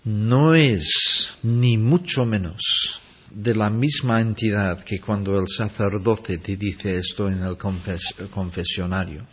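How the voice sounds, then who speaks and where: A man delivers a sermon at a very slow, measured pace, his voice slightly husky. He acts out short quotes to drive his points home. The recording is dull and lo-fi. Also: fairly low pitch. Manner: slow, deliberate preaching with dramatic acted quotes. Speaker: preacher.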